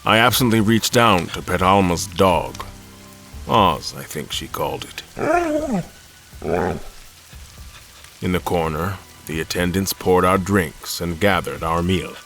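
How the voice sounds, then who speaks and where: An actor playing a weary, formal admiral who narrates his own ordeal in a measured, world-worn way for an audio drama. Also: sits low, fairly bright tone, soft background music. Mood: weary, reflective. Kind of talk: first-person audio drama narration with dialogue.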